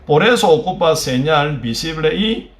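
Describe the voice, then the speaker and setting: A Korean man who is a native Korean speaker preaches a sermon with a Korean accent. He speaks in halting, broken phrases and keeps adding tag questions. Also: fairly high pitch, lively intonation, roomy sound. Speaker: pastor. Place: church.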